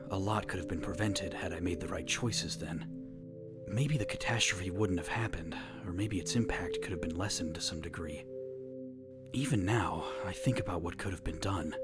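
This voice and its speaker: A man playing a brooding, world-weary hero who narrates a fan audio drama in a formal, deadpan, wry way. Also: sits low, natural voice. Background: music.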